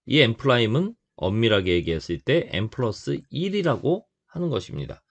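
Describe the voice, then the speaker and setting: A man's voice: medium pitch, very animated, normal speed, lo-fi sound. A man teaching a math lesson, repeating key phrases and checking in with his students as he writes. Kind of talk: whiteboard math lecture.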